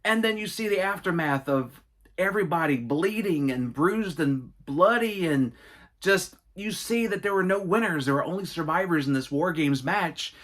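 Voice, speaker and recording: A middle-aged man with a slightly high-pitched voice talks through a casual Q&A. He tells his stories with enthusiasm and throws in animated asides. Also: normal speed. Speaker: gaming and wrestling channel host. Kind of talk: casual Q&A monologue.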